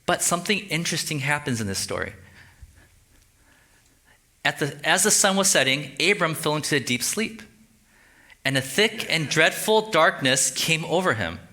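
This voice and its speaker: A man pastor giving a conversational, animated sermon and acting out quoted voices in a church. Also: a little high, moderate pace, long pauses. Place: church sanctuary.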